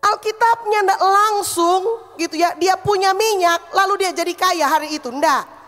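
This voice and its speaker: A woman's voice: very high-pitched, a little slow, fairly bright tone, in a large hall, faint music behind. A woman pastor with a Manado accent preaching a sermon, emphatic and calling the congregation to repeat phrases after her. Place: church hall.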